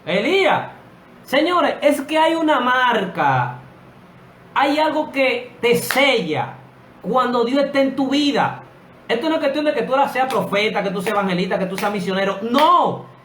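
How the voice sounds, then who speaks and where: A man's voice: very high voice, animated, normal speed, a bit bright. A man preaching with fervent, emphatic delivery on a Christian podcast. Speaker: co-host. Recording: echoey room with faint noise.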